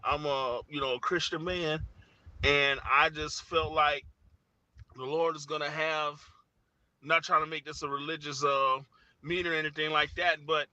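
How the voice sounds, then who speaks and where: A man in his forties, a father speaking as an interview guest, earnest and searching, often pausing on "you know" and restarting his sentences. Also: a little high, bright, forceful tone, no echo, poor audio. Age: 40s. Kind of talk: reflective conversational interview.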